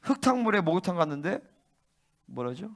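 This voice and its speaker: A male pastor preaching a fervent sermon and often pressing his listeners with quick questions. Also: sits high, sing-song. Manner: fervent, keeps prompting listeners with "응?".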